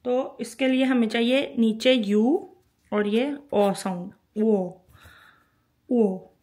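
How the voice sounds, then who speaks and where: A woman's voice: a little high, steady tone, slow pace, darkish tone. A woman teaching a language lesson, patiently explaining and repeating each sound several times while she writes. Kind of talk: spoken lesson.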